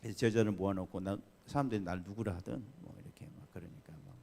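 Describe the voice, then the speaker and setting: A man preaching a Sunday sermon as pastor, chatty and lively, asking the congregation questions and laughing along. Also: on the low side, fast, gravelly, slight background noise. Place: church sanctuary.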